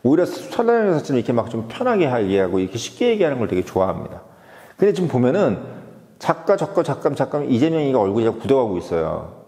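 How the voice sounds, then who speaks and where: Male YouTube commentator, quick talker, warm low-bright tone, casual monologue. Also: long reverb tail. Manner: animated, with rhetorical "huh?" asides and repeated words.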